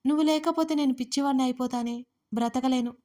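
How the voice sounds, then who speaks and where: A woman's voice: high voice, fairly even intonation, fast, warm tone, close to an everyday voice. Remorseful young husband, read by a woman. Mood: pleading. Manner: emotional, pleading.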